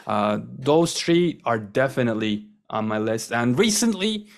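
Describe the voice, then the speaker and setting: A man's voice: medium pitch, expressive, unhurried. A young man whose first language is Turkish, a guest chatting casually in an interview, enthusiastic and rambling with lots of fillers. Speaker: guest, wrestling content creator.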